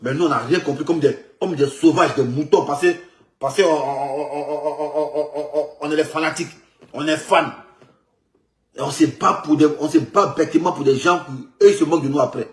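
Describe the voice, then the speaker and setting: A man, commenting on politics in an animated, rambling way, with many repetitions and stumbling restarts. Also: a little high, normal speed. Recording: echoey room.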